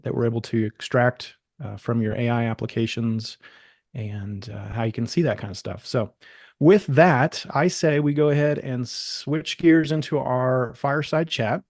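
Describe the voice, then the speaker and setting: Male host for a tech fireside chat; informal, meandering, mid-pitched, very little room sound. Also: moderate pace, darkish tone, dry recording, clean studio sound. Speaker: webinar host. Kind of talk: casual fireside chat interview.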